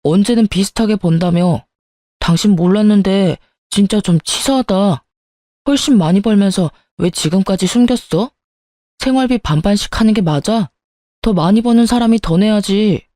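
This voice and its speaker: A woman's voice: medium pitch, normal speed, dry recording, studio quality, natural voice. Woman doing a petty, hot-tempered husband. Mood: indignant. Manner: sulky, accusing, turns to shouting. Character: petty, calculating young husband, quick to anger.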